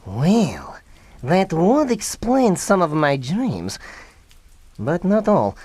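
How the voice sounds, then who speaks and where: An actor playing an earnest, incredulous younger mad scientist in a comic radio drama, hesitant and deliberate in delivery. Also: male voice, high voice, huge pitch swings, a little mellow, husky, no room sound, exaggerated voice. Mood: pondering.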